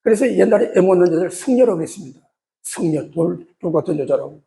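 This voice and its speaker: A man's voice: high-pitched, animated, fast, vocal fry, warm tone, slight background noise. A male pastor giving an impassioned, emphatic sermon full of rhetorical questions.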